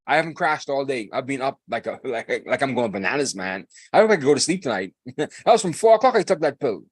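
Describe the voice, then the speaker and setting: A man's voice: mid-range voice, sing-song, fast talker, breathy edge, no echo. A man, hosting a podcast in a hyped, rambling casual chat, repeating himself and laughing often. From Bahamas. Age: 40s. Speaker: podcast host.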